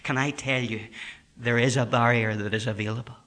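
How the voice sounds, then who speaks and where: A man preaching a sermon, building to loud emphatic peaks and then dropping to a soft, quiet voice. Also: medium pitch, fairly even intonation, a little fast.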